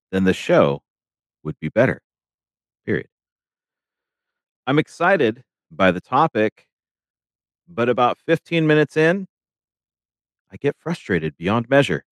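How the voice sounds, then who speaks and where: A man's voice: medium pitch, dry recording, clean studio sound. A man co-hosting a podcast, chatting casually and reading reviews aloud with a wry, amused manner. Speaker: podcast co-host.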